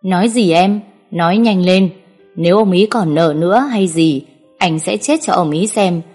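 A woman's voice: lowish voice, a little mellow, soft background music. A woman reading a story aloud, voicing a hot-tempered older brother who talks brusquely and in a hurry. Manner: brusque, hurried.

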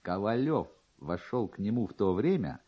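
A man narrating classic literature as an expressive storyteller, with a wry, theatrical manner. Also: fairly low pitch, moderate pace, breathy edge, lo-fi sound. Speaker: narrator, reader.

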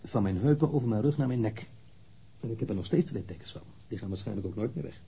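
Low, husky, blunt male witness. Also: lively intonation, fast, mellow, heavily acted. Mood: frank, blunt. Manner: matter-of-fact, precise, blunt. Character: jealous male ex-lover, blunt, candid police witness. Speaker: witness under questioning. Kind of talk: radio drama interrogation acting.

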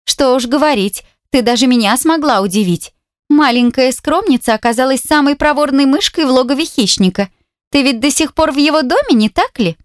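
A venomous young woman purrs her taunts in a coquettish, mocking voice pitched high above the reader's own, as a female audiobook narrator puts her on. The recording is dry and close, with no room sound. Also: expressive, brisk, dry recording. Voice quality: mocking, sugary and spiteful. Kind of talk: audiobook character voice.

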